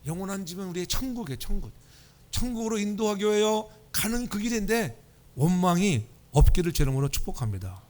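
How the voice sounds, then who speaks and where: A male pastor delivers a Sunday sermon from a church, his voice sitting a little higher than most men's. He preaches conversationally, tells stories with a light touch of humor, and keeps prompting the congregation to respond. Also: big pitch swings, fairly quick, a little mellow. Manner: humorous storytelling. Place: church sanctuary.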